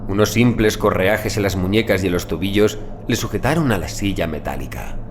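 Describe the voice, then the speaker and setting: Low-voiced man narrating a horror audiobook. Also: animated, a little fast, soft background music. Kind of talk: scripted horror story narration, first person.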